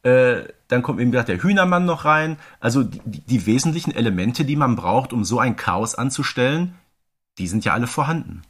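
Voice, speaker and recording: Male podcast co-host, mid-pitched, conversational analysis of audio drama. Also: lively intonation, brisk, husky. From Ruhr area, Germany. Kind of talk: casual audio drama review chat.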